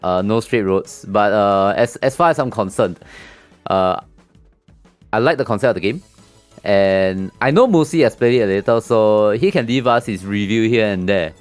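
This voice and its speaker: Chatty man, low voice. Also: normal speed, clean tone, no echo, faint music behind. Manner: loose, chatty, many fillers and restarts; mocks angry gamers in a high put-on voice. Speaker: podcast host. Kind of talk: casual group chat about games.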